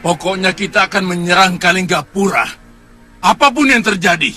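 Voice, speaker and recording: A man's voice: high-pitched, lively intonation, moderate pace, bright, forceful tone, faint music behind. An actor playing a scheming male war leader who insists his paid allies keep their promise, in a radio drama. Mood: insistent. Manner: insistent and commanding.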